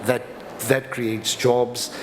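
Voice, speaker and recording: A man with a South African accent giving an explanatory conference talk as a legal professional, in a halting, hesitant delivery with repeated words. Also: mid-range voice, level tone. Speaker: company lawyer speaking as a summit panelist. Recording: reverberant hall with clear background noise.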